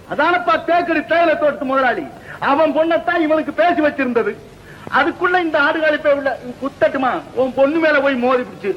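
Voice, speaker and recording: An actor playing a boisterous, bossy older village landlord in an old film, talking in a loud, teasing, commanding way. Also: male voice, very high-pitched, a little hiss or hum. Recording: dull old film soundtrack with music.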